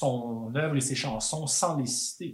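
A somewhat breathy man's voice at medium pitch. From Quebec City, Quebec. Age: 50s. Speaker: comic book artist. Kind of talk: interview conversation.

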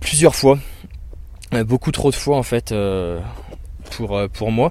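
Male speech pitched in the medium range, with ordinary variation in pitch. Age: 20s. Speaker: childhood friend of host. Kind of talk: casual chat. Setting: outdoors in mountains.

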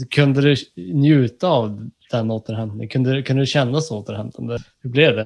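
This is a man with a normal speaking voice at a medium pitch. He talks at a moderate pace with ordinary pitch variation. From Norrbotten, northern Sweden. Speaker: sports psychologist, podcast host. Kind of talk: casual interview.

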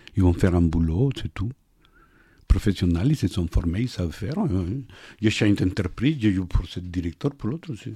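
This very clean recording with a silent background has a man with a very deep, low pitch and a dark, mellow, somewhat breathy tone. His intonation is lively, his pace moderate, and he takes long, frequent pauses. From El Salvador. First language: Spanish (speaking French). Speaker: theatre teacher. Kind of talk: casual interview.

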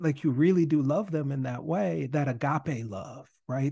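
Against a quiet background, a man speaks at a fairly slow pace in a fairly high pitch, his tone dark and mellow and somewhat breathy. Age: 50s. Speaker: podcast host and university educator. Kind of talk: casual interview conversation.

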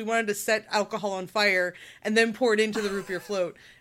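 A woman's very fast, bright, sharp voice in an American accent, on a very clean recording with a silent background. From Texas. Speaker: podcast host. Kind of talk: casual chat.

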